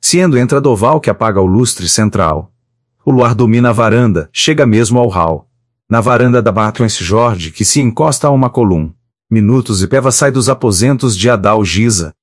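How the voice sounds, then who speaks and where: A man reading a stage play aloud, stage directions included, in a plain and steady manner. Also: on the low side, normal speed, no echo, studio quality. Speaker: reader of a play.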